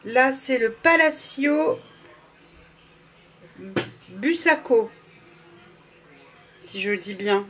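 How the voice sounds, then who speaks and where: A woman vlogger in casual, gushing chat, fumbling and apologizing as she reads out names. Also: fairly high pitch. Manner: fumbles and restarts while reading labels.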